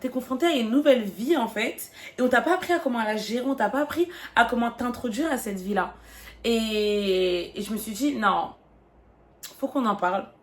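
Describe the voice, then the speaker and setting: Over noticeable background noise, a woman speaks in an animated tone at a fairly high pitch. Her pace is moderate, with long, frequent pauses. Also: lively intonation. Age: 20s. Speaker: YouTuber giving life advice. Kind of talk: vlog talk to camera.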